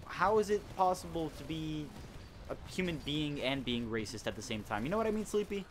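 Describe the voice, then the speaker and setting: A man's voice: fairly high pitch, expressive, fairly quick, a little hiss or hum. A teenage boy hosting a casual gaming chat, telling a school story in a rambling, indignant way. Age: teens. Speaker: host.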